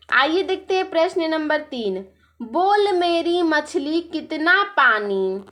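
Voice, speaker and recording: Slow, high-voiced woman teaching a lesson. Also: fairly bright tone. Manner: explains patiently, often says "ठीक है". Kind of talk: classroom lesson explanation.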